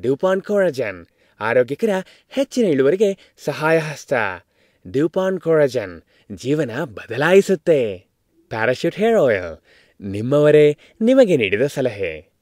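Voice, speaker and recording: Animated male commercial voice-over, very dry sound. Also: a little high, unhurried, dry recording. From India. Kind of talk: scripted advertisement voice-over.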